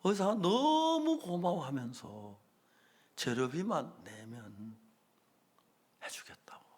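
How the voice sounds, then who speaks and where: Animated pastor. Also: male voice, a little high, slow, breathy edge. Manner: animated storytelling, acting out dialogue with sudden loud bursts. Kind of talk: sermon.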